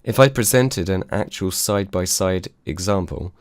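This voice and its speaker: Speaking at a moderate pace, the man is expressive despite his dry, self-deprecating, casual take on the microphone he's reviewing. He's a tech reviewer with a low voice, using a desk mic on a mic arm, and the recording is dry.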